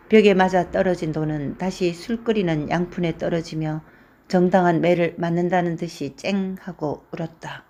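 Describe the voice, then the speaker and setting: A woman calmly narrating a short story in measured tones. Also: on the low side. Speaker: reader.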